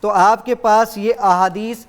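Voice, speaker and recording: A man appearing as a guest on a TV show, demonstrating his app in lively detail and acting out both sides of his exchanges with it. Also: sits high. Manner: animated explainer who acts out exchanges with the app.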